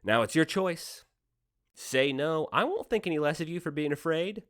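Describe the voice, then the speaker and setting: A man's voice: on the high side, lively intonation, normal speed, fairly bright tone. A man playing a sly, sardonic devil-like tempter in a radio play, speechifying in a persuasive, mock-folksy way. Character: sly, theatrical male devil-like deal maker, smooth tempter.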